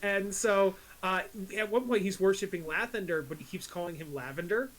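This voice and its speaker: A woman acting as game master, narrating a tabletop game casually in a hesitant, halting way. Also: medium pitch, rough recording. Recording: clear background hiss and noise.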